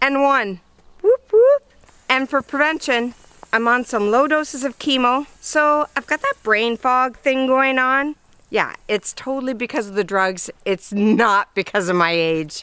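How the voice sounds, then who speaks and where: The delivery has lively intonation at a fairly slow pace, with a dry sound and no echo. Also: woman, high pitch for a woman. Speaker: sawmill homestead vlogger. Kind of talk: casual vlog chat. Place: open country.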